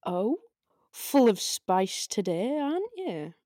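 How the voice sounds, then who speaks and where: A woman playing a taunting disembodied spirit in an audio drama table read, with a drawn-out, needling delivery. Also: medium pitch, sing-song, mellow, dry recording, studio quality. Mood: mocking, teasing. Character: taunting disembodied arcane spirit, silky and provoking.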